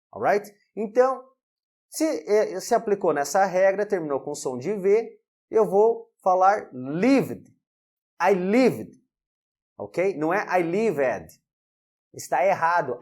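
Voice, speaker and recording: Man, English teacher, slow and animated, drills every word. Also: high voice. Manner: repeats words slowly and drills pronunciation. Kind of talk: video lesson.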